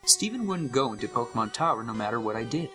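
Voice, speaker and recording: Animated male story narrator over music. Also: medium pitch, quick pace. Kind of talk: scripted first-person horror story narration.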